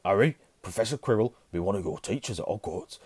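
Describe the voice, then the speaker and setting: A man voicing a huge, kindly, hearty man with gruff, folksy speech in a storybook reading. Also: on the low side, lively intonation, quick pace, darkish tone, dry recording. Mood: hearty, brisk.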